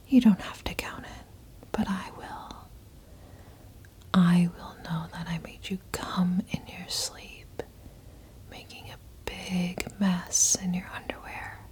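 A woman whispering in a slow, hushed, intimate way, performing a guided ASMR hypnosis roleplay. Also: lowish voice. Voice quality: breathy whisper. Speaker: audio performer.

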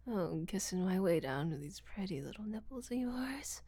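A woman playing a breathy, giggling seductress. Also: mid-range voice, animated, normal speed, warm tone, no echo. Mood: teasing. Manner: breathy whispering, frequent giggles, teasing. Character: teasing, domineering seductive woman, rough-handed. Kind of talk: audio roleplay.

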